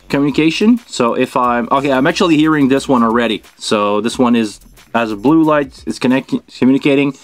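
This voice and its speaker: A middle-aged man casually hosting a product unboxing and review, thinking aloud in an informal way as he goes. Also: medium pitch. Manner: informal, thinking aloud while handling gear. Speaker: video host, product reviewer. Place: small indoor studio at a table.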